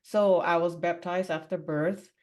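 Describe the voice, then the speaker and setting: A woman from Singapore, a podcast guest, tells her life story candidly, rambling conversationally and often saying "you know" and "like." Her voice is lowish and darkish in tone, with fairly even intonation and a measured pace.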